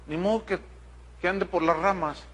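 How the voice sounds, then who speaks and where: A middle-aged pastor with a Mexican accent preaches a sermon in a high-pitched voice at normal speed. He tells a story to his congregation in a direct, animated way, sprinkling in humorous asides.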